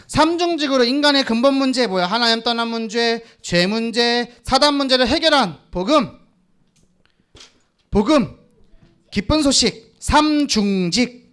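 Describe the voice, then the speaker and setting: A man's voice: very high-pitched, a bit bright. A young man leading a children's sermon, calling out lines for the kids to repeat and teasing them by name. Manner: call-and-response with kids, teasing. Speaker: children's pastor. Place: church children's worship room.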